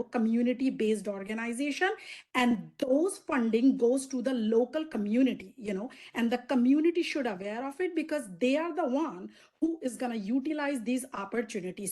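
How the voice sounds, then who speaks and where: A woman's voice: a little high, a little mellow. A woman from India with an Indian accent, an agency liaison giving an informal, rambling talk at a community meeting over a video call. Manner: loose, rambling phrasing with restarts.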